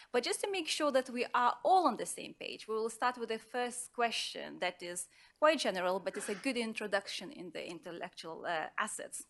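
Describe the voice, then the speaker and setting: A woman's voice: medium pitch, a bit bright. A woman moderating a panel discussion, addressing the audience directly in an organised way.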